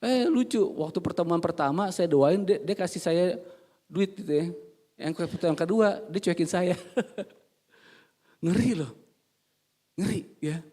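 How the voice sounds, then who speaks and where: Unhurried and pausing often, a high-voiced male pastor preaches a humorous, animated sermon in church. He quizzes the congregation and swings from quiet asides to loud, emphatic moments.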